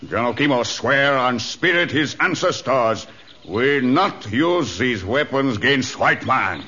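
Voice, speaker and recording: Forceful, warlike tribal chief. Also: male voice, mid-range voice, expressive, takes it slowly, husky, faint music behind, exaggerated voice. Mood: sly, placating. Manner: broken English, declamatory, emphatic. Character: fierce warlike African tribal chief, proud, scheming. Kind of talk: old radio adventure drama acting. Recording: dull lo-fi old radio recording.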